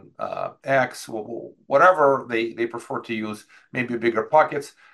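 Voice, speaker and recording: A man has an unremarkable speaking voice, medium in pitch, with ordinary pitch variation. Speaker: podcast host. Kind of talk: casual interview chat.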